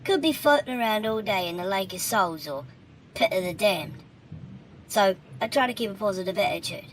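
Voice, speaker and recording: A man's voice: high-pitched, expressive, normal speed, a bit bright, slight background noise, pitched above the performer's own voice, low-quality recording. A man voicing a weary, cheeky male demon with a thick Cockney accent, chatting in a casual, rambling, sweary way. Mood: weary chatty.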